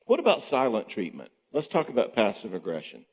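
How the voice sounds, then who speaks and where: An older male psychologist lectures a church audience, his lowish voice carried by the long reverb of a sanctuary. He talks in an animated way, throws out rhetorical questions and slips into higher voices to act out quotes. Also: a little fast. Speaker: psychologist speaking at a marriage conference. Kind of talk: conference talk to a church audience.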